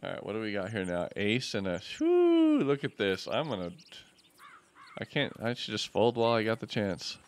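A man's voice: fairly low pitch, a little fast. A man in his thirties chatting casually and jokily as he streams a video game. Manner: jokey, chatty reactions. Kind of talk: casual live playthrough commentary. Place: small decorated room, indoors. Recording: game music behind.

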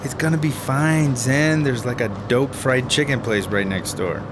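An actor playing a carelessly optimistic American slacker in a radio drama, talking casually and slangily in an American accent. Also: male voice, medium pitch, moderate pace, background noise, lightly acted. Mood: breezy, reassuring.

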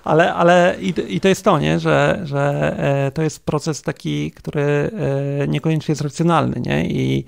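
A man with a higher, gravelly, creaky voice, thinking aloud in a frank, wry interview, peppering his points with fillers and tag questions. Dry recording with no room sound. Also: fairly even intonation, moderate pace, hardly any pauses, no room sound. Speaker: guest, company CTO. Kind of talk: casual interview conversation.

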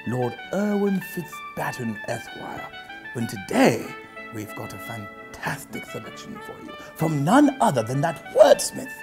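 Man playing a pompous, wildly swooping gentleman orator. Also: a little high, wildly swooping pitch, over music, full character voice. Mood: grand, welcoming. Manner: pompous, theatrical, drawn-out pauses. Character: pompous aristocratic gentleman host, reciting rap lyrics theatrically. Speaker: comedy show host. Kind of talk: mock-literary dramatic reading. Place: book-lined indoor study set, seated.

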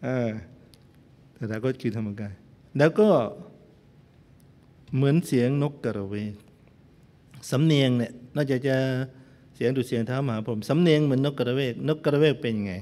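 A male Buddhist monk preaches in a middle-pitched voice, mixing storytelling with teasing jokes aimed at his listeners. His voice carries a long reverb tail, as if recorded in a big hall. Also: moderate pace, pauses often, mellow. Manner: playful, joking asides to listeners. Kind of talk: sermon with storytelling.

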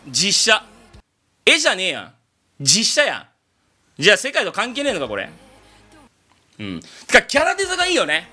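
A man from abroad who speaks Japanese as a second language, giving a casual reaction commentary on an anime opening and breaking into loud exclamations. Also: high voice. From outside Japan. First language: not Japanese. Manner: excitable, bursts into loud exclamations.

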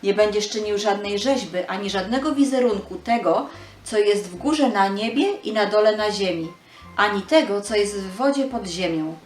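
A woman's voice: mid-range voice, moderate pace, roomy sound, faint music behind. A woman giving a scripted narration of a Bible story for children.

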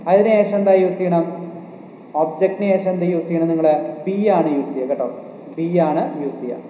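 Male exam coach with a Malayali accent, slightly high voice, drilling rules by repetition; roomy reverb. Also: brisk, dark tone. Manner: repetitive, asks questions and answers them himself. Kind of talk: online grammar lesson. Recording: echoey room with faint noise.

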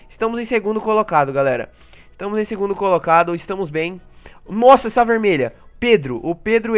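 A man with a Brazilian Portuguese accent giving excitable live commentary on his gameplay. He talks straight to his audience and often jumps into high yelps and laughter. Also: clean tone. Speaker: gaming YouTuber.

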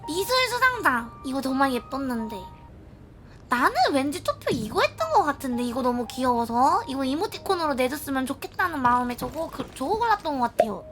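A woman game streamer giving excitable, dramatic, reactive commentary, quick to shriek. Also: high-pitched. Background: music.

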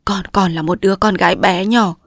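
A woman's voice: mid-range voice, steady tone, brisk, creaky, dry recording, studio quality. A woman voicing a dying old father who speaks weakly and solemnly, sometimes in a whisper. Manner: weak, strained, sometimes whispered.

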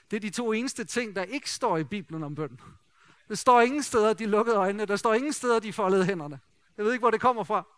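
A middle-aged man preaching a sermon in a lively, conversational way, joking and asking the congregation rhetorical questions. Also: high voice, clean tone, no echo. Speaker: pastor.

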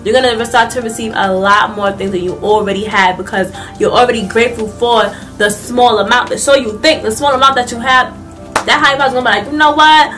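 A woman's voice: fairly high pitch, a little fast, recorded from a distance, faint music behind. Chatty stuffy-nosed young woman vlogger. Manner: chatty, animated, lots of "like" and hand gestures. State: congested, stuffy nose. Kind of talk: casual motivational talk to camera. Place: small indoor room.

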